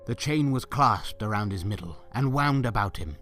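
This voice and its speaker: A man's voice: on the low side, animated, normal speed, fairly bright tone, faint music behind. A man narrating a scripted story as the narrator of a fan audio drama.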